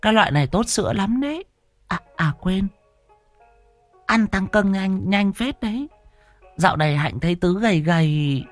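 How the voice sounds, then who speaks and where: A man's voice: high-pitched, expressive, normal speed, long pauses, faint music behind, pitched above the performer's own voice. A man voicing a chatty village woman who coaxes a shy neighbor. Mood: coaxing. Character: flirtatious woman bringing pork trotters.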